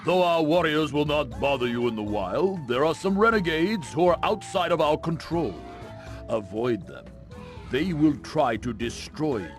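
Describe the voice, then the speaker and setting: An actor playing a pompous, comically ceremonious tribal chief in a video game cutscene, slipping into deadpan asides. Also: male voice, fairly high pitch, measured pace, faint music behind. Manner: grand announcements undercut by deadpan asides.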